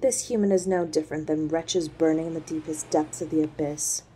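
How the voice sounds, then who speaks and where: A woman's voice: low voice, fairly even intonation, fairly quick, dark tone, a little hiss or hum, lightly acted, low-quality recording. A woman playing a cruel, imperious centuries-old succubus mother in a scripted audio roleplay, mocking and menacing. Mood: scornful.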